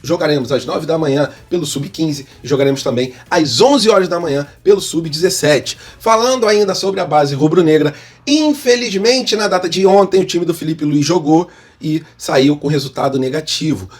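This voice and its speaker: A man with a Brazilian accent and husky voice, hosting informal football news as a partisan fan who addresses viewers directly. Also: a little high, normal speed, soft background music. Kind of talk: informal sports news commentary.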